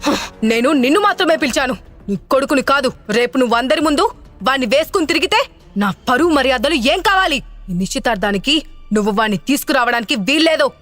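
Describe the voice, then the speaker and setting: A woman voicing a domineering older father who speaks harshly and shouts in anger. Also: a little high, animated, fairly quick, faint music behind. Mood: furious.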